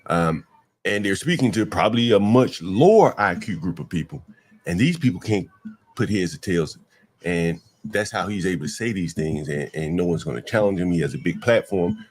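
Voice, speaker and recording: Blunt, husky man in his fifties. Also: low-pitched. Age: 50s. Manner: blunt, dismissive, rambling with restarts. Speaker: commentator reacting to a panel. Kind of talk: opinionated commentary.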